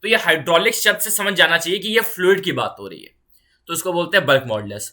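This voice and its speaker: A woman's voice: lowish voice, animated, sharp tone. A woman physics teacher giving an online exam-prep lecture, repeating key phrases and checking in often. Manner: repeats key phrases, mixes English terms into fast explanation; reassuring, checks in with "ठीक है".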